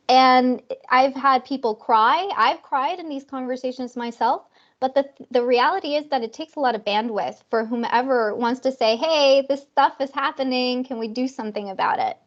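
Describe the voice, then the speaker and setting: Earnest woman panelist on a muffled call. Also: on the high side. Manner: earnest, reflective, acts out quoted dialogue. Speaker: panelist, investor. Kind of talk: casual panel discussion. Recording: muffled lo-fi video call audio.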